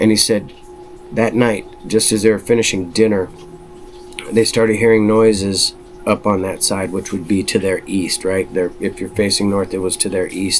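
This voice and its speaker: Over music in the background, a man talks at a moderate pace with flat, monotone intonation. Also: fairly low pitch for a man. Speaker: storyteller of sasquatch accounts. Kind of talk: storytelling monologue. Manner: halting, many fillers.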